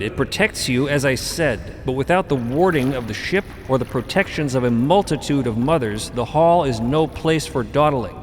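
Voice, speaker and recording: An actor playing an eccentric, cryptic elder grandparent in an audio drama, with formal, theatrical diction. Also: male voice, mid-range voice, big-room sound, slight background noise, close to an everyday voice. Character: eccentric elder robed mother-figure, male, grandparental, breezy and cryptic.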